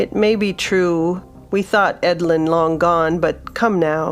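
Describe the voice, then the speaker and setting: A put-on character voice at middle pitch moves at a fairly slow pace over clear music in the background. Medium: read story. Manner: authoritative.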